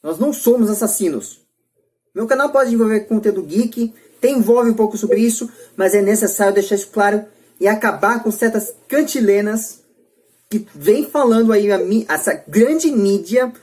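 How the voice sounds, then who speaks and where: A woman's voice: mid-range voice, moderate pace, a little mellow. A Brazilian woman hosting a podcast debate, speaking in an emphatic, repetitive, opinionated way. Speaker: podcast host.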